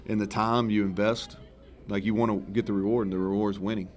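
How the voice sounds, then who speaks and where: A lowish voice, fast-talking: this is a head football coach in his thirties at his post-game press conference. He speaks frankly and casually, meandering and correcting himself, while several microphones on the table in front of him record him against a sponsor backdrop.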